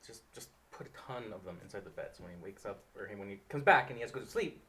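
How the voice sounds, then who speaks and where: A man's voice: fairly low pitch, animated, racing, a bit bright. A man playing a tabletop game, asking curious questions and hatching schemes. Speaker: player. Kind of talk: casual tabletop game chat.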